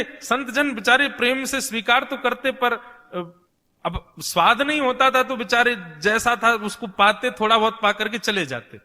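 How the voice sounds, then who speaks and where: A man's voice: high voice, sharp tone. A man telling a devotional Hindu story in a conversational preaching style, repeating phrases and slipping into dialogue. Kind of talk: devotional katha storytelling sermon, acting out dialogue. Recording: long hall reverb.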